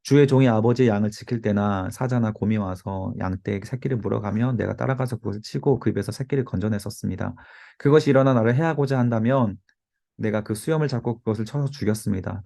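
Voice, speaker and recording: A man's voice: medium pitch, gravelly, mellow, natural voice. A man reading the lines of a bold, faithful young shepherd who speaks earnestly.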